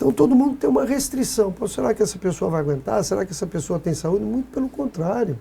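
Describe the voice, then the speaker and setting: Lively in intonation, a man's high-pitched voice carries a dark, mellow tone. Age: 60s. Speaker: senator and businessman. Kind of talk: interview.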